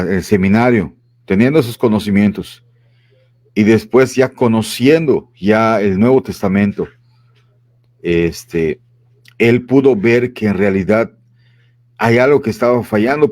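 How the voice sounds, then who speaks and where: A man speaking as a panelist in a discussion, reflective, pausing with fillers. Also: fairly low pitch, a little mellow, no echo.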